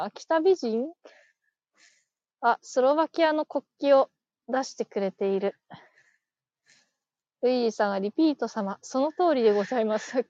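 A woman's voice: high-pitched, darkish tone, no echo, muffled recording. A woman hosting a casual live stream, chatting, laughing and reading listener comments aloud as she thanks each viewer. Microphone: phone.

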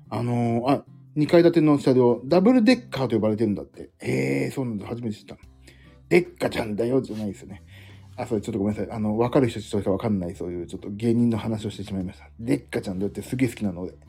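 A middle-aged man chats loosely and rambles through a solo livestream, joking at his own expense. His voice is mellow and a little husky, and it swings up and down a lot as he talks. Soft guitar music plays faintly behind him. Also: mid-range voice. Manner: rambling, self-deprecating, chatty, jumping between topics. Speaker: livestream host. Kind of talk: casual solo livestream chat.

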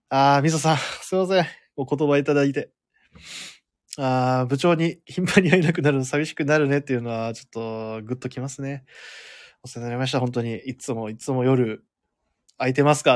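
A man hosts a live radio show by himself in a loose, chatty way. He laughs easily as he works through listener comments, with an everyday mid-range voice. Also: mid-range voice. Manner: relaxed and chatty, laughing often, with many fillers.

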